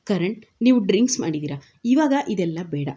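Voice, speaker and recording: Storybook narrator's young wife, hushed and pleading, mellow tone, as a woman puts her on. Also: mid-range voice, expressive, a little fast, slightly rough, highs cut off, voice pushed down.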